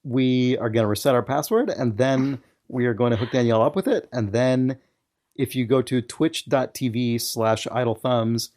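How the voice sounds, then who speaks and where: A man hosting a casual podcast chat, relaxed, explaining things and making announcements to listeners. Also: medium pitch, normal speed. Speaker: podcast host.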